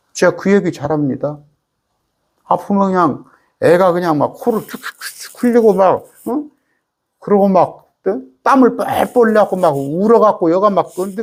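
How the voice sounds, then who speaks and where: A man's voice: high-pitched, husky. A male pastor with a Jeolla accent, preaching an emphatic, folksy Bible study sermon full of rhetorical questions. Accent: Jeolla Korean.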